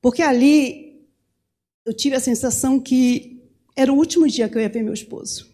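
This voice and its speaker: A woman's voice: sits high, moderate pace, mellow. A middle-aged woman preacher giving an impassioned sermon testimony, her voice rising when she pleads.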